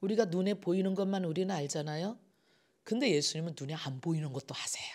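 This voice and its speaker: In a very clean recording with a silent background, a man speaks at a moderate pace in a high voice with lively intonation. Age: 60s. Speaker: pastor. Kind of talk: sermon. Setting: church. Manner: conversational, colloquial.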